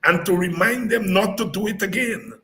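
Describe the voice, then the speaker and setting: A middle-aged man giving an impassioned political address, repeating phrases and rising into shouts. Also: sits high, normal speed. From Guyana. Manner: fiery, declamatory, repeats phrases for emphasis, breaks into shouts. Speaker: podcast host and political speaker.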